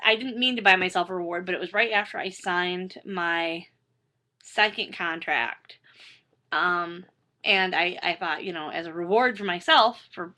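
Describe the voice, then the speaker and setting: A hoarse woman in her thirties chatting casually and rambling with self-deprecating asides. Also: fairly low pitch, pushed and bright. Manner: self-deprecating, chatty, lots of fillers and restarts. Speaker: author reading her book.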